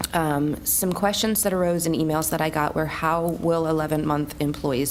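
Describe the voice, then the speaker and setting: This is a woman with a very deep, low pitch. Noticeable background noise sits behind her. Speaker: school board member. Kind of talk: board meeting remarks. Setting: public board meeting. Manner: hesitant, many fillers; slow, reading from notes.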